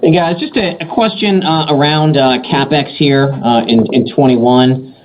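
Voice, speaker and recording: A man's voice: mid-range voice, measured pace. Man on dull, faintly noisy call audio. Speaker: financial analyst asking questions. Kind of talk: conversational earnings call questioning. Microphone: telephone.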